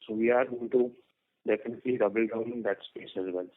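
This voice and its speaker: A man, speaking confidently and deliberately as a company executive on an earnings call. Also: medium pitch, fairly even intonation, a little hiss or hum. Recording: narrow phone line.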